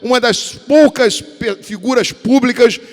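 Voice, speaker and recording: A man's voice: very high voice, unhurried. A man in his fifties with a Carioca accent from Rio de Janeiro, giving a formal speech as a state deputy, rambling and restarting his words. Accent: Carioca Portuguese. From Rio de Janeiro, Brazil. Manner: rambling, repeats and restarts words, addresses colleagues. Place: large legislative chamber. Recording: long reverb of a large hall.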